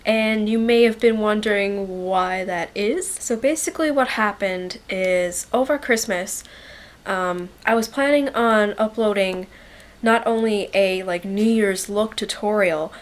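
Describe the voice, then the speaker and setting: A woman's voice: mid-range voice, a little slow. A young woman vlogging casually to the camera. She sounds congested from a head cold and talks in a chatty, rambling way with lots of likes and ums. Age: young adult. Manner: shy and quiet by nature. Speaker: beauty vlogger.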